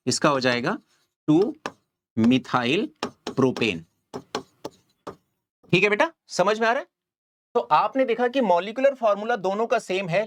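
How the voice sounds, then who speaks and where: A man giving a step-by-step chemistry lecture and often checking that his students follow. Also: high-pitched. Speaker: chemistry teacher. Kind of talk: whiteboard lecture.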